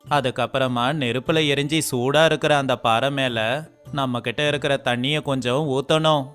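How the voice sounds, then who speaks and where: A man's voice: mid-range voice, fairly even intonation, moderate pace, a bit bright, smooth. A man voicing several village men in turn in a storybook dialogue. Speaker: voice actor for story characters. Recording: faint music behind.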